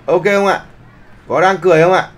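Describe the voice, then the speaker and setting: A man with a voice that sits high and fairly even, speaking a little fast, teaches a live online art class. He keeps checking in to make sure students are following and uses polite particles.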